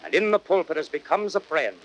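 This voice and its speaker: A man's voice: a little high, big pitch swings. An actor playing a Roman nobleman, a grieving and vengeful orator, in declamatory verse in a 1930s radio Shakespeare style. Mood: solemn, restrained. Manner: declamatory, theatrical, measured verse delivery. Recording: noisy old 1930s radio broadcast recording.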